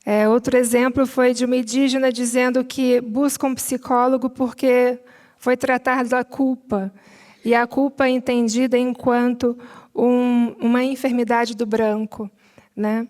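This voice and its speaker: A Brazilian Portuguese-accented woman at a seminar panel, reading a prepared summary in a measured way with spoken asides. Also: fairly high pitch, little pitch movement, darkish tone. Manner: measured, mixes read text with spoken asides and fillers.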